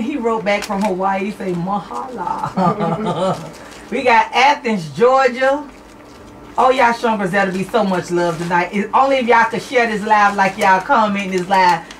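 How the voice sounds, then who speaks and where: A woman hosting a live radio show, reading out listener shout-outs with lively, excited greetings. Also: mid-range voice, recorded from a distance, a little hiss or hum.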